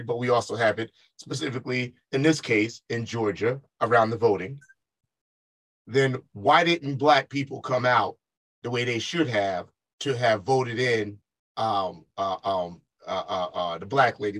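A man's voice: medium pitch, moderate pace, a bit bright, rough recording. A man hosting a radio talk show, pressing his co-host with probing questions, interrupting and teasing. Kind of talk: heated talk-radio debate.

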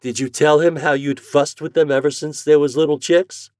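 A man's voice: on the high side, steady tone, moderate pace, darkish tone, dry recording, studio quality, voice pushed up, natural voice. A man doing a wondering country mother. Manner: rustic old-time country dialect. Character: wondering old-fashioned farm mother, thrifty. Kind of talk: storybook character voice.

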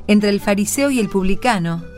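A woman's voice: medium pitch, brisk. A woman hosting and narrating a radio drama in a conversational presenting style. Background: music.

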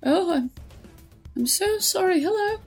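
A woman's voice: very high voice, expressive, measured pace, faint music behind, pitched above the performer's own voice. A woman voicing a frail, apologetic old beast-like creature in a tabletop game, meek and hesitant.

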